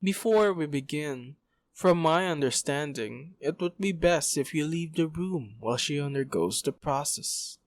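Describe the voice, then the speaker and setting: A man's voice: on the high side, lively intonation, measured pace. A man playing a formal, pompous doctor in an audio roleplay, speaking in long-worded clinical phrases. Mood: coolly insistent. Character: formal, pompous male doctor, smoothly evasive scientist. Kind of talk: ASMR audio roleplay acting.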